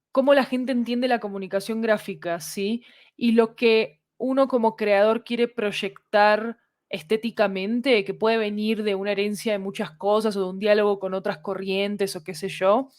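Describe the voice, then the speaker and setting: A woman with a Latin American Spanish accent explains things in casual conversation, thinking aloud and often checking that the listener follows. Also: medium pitch. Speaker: podcast creator guest.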